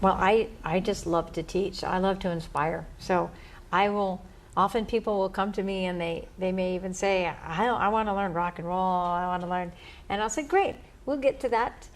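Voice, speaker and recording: A woman's voice: lowish voice, moderate pace. A woman with an American accent, a musician and teacher, talking casually as an interview guest. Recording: clear background ambient noise.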